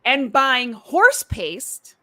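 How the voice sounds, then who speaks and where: Bright, chatty woman from Ecuador. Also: high voice, big pitch swings, drawn-out words. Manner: chatty, many fillers and asides. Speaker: podcast host. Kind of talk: casual live-stream chat. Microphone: video call.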